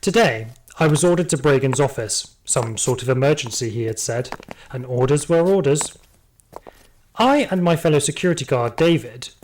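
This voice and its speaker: A man playing a sadistic, power-hungry security guard, narrating his story in an audio drama with deliberate menace. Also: a little high, a little mellow, a little hiss or hum, close to an everyday voice. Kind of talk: scripted first-person audio drama monologue. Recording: music behind the voice.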